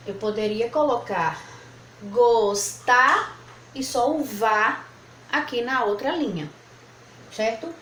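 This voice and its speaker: A woman's voice: fairly high pitch, fairly bright tone. A woman teaching a lesson at a board, patiently spelling out words syllable by syllable. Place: room with whiteboard. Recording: echoey room, faint background noise.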